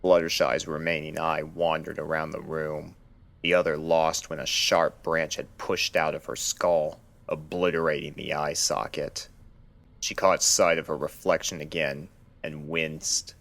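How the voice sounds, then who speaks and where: A man narrating a scripted horror story in a measured, dramatic storytelling manner. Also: very deep voice, flat delivery, vocal fry, fairly bright tone. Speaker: narrator of fan fiction readings.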